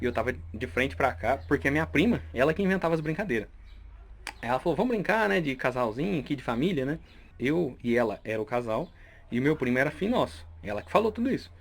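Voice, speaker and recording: A man's voice: mid-range voice, big pitch swings, fast talker, slightly rough. A young man with a Brazilian Portuguese accent, telling family memories in a chatty way and often ending with a question tag while he walks through an old family house. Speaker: vlogger touring his grandparents' house. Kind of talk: casual nostalgic storytelling.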